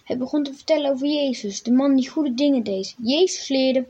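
A woman's voice: high voice, a little fast, warm tone, breathy edge. A woman reading a children's Bible story aloud and then speaking directly to children, in plain read-aloud narration. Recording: dull lo-fi recording.

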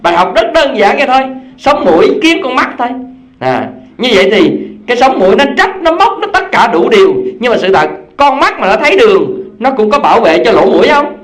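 Lively, high-voiced male Buddhist teacher. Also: a little fast, a little hiss or hum. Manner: storytelling, asks the audience questions. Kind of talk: Buddhist dharma talk.

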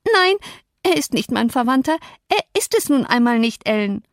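Woman voicing a shrill spoiled young girl. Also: very animated, moderate pace, no room sound, clean studio sound. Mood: tearful. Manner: bossy, shrill, indignant. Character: spoiled imperious young girl, quick to tears.

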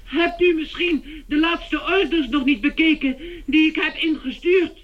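A man's voice: very high voice, a little slow. A man playing an anxious, placating salesman turned beetle in a radio drama, pleading politely and making excuses. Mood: hurried placating. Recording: dull muffled lo-fi sound.

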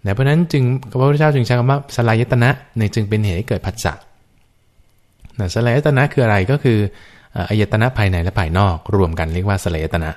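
A man who is a Buddhist monk, patiently explaining teachings on a radio Dhamma discussion, with many soft fillers. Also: lowish voice, fast talker. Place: radio studio.

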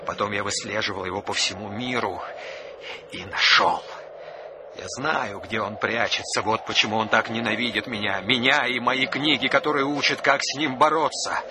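A man's voice: lowish voice, fairly even intonation, normal speed, background noise, natural voice. A man acting in a radio drama as a haunted, stubborn man under siege, speaking with dramatic intensity. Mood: grim, haunted. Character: haunted, stubborn man besieged by a living wind.

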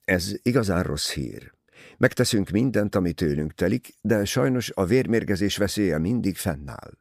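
A man voicing a brisk, worried middle-aged nurse who speaks in a clinical, matter-of-fact way. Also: deep voice, lively intonation, vocal fry, no echo, studio quality, exaggerated voice. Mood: concerned.

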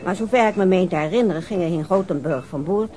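An actress playing a cooperative, chatty ship's waitress in a Dutch radio drama, helpful and thoughtful. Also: female voice, lowish voice, fast talker, dark tone, lightly acted. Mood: musing.

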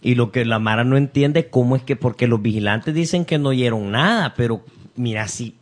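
A man's voice: medium pitch, moderate pace. A man, co-hosting a casual radio chat and explaining things at length.

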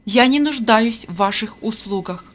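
A woman reading an audiobook voices a middle-aged aunt in black who speaks softly through tears. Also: a little high, lively intonation, moderate pace, close to an everyday voice. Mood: tearful. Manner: soft, tearful, gentle. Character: grieving woman in black, stern then tender aunt.

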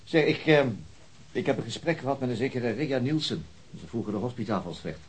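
An actor playing a methodical, weary police detective in a radio drama, speaking in a dry, deliberate, sometimes hesitant way. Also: male voice, medium pitch, animated, slightly rough, rough recording. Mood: dry, thoughtful. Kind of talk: naturalistic radio drama dialogue.

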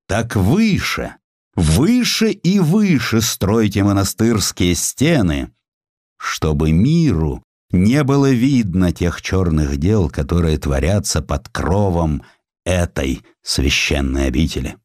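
A man's voice: low voice, big pitch swings, slow pace, darkish tone, no room sound, clean studio sound, full character voice. A man voicing a shrewd, blunt lawyer of Tsarist Russia in a declamatory, oratorical manner, as in an audio drama. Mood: solemn denunciation.

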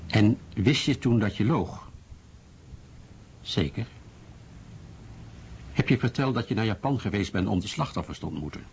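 A man acting as a blunt, firm writer recounts his search for truth in a very deep voice. It is a dull recording with faint noise. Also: lively intonation, normal speed, vocal fry, pauses often, a little mellow. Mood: matter-of-fact, probing. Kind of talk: scripted first-person dramatised account.

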